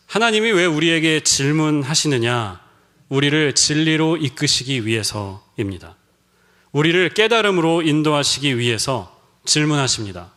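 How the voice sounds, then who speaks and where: A man's voice: on the high side, bright, forceful tone. A middle-aged man preaching a Sunday sermon as pastor, telling stories and acting out the voices in them. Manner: storytelling, acts out quoted voices. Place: church sanctuary.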